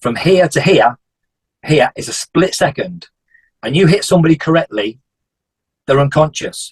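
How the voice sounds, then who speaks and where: A man with an English Midlands accent, fairly high pitch and moderate pace. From Coventry, England. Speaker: retired game developer and martial artist. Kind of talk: interview, explaining analogy.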